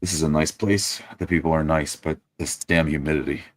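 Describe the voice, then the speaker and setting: A man's voice: a bass voice, fairly even intonation, a little fast. A man playing in a tabletop roleplaying game, speaking formally in character and narrating his own actions. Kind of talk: in-character roleplay mixed with first-person narration.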